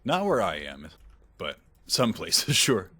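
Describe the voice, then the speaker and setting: A young man with a very low voice that sounds close and dry over a headset. He talks with his gaming friends in a flat, matter-of-fact way. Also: takes it slowly, dry recording. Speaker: gaming group member. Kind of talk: casual voice chat.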